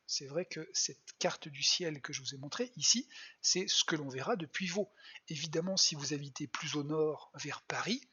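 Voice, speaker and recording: A bright, forceful voice with a husky edge, explaining astronomy at a patient pace for young viewers. The talk is full of hesitant fillers and quiet asides muttered while working the screen. It comes through a dull, lo-fi home stream. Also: medium pitch. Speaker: planetarium science educator. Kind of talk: live online astronomy demo for kids.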